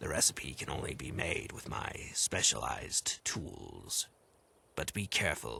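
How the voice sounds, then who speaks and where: A man performs in a put-on character voice. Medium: video game. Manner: measured, deliberate.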